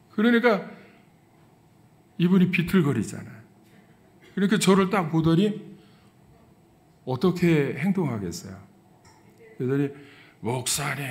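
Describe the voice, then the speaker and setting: A middle-aged man, a pastor, preaching a sermon and telling a story, his voice swinging from soft to loud. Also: sits high.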